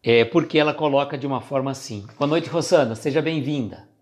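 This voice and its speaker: A man's voice: medium pitch, fairly quick, a little mellow. A Brazilian man hosting a spiritist reflection stream, talking casually and greeting viewers by name. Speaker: host of a spiritist reflection livestream.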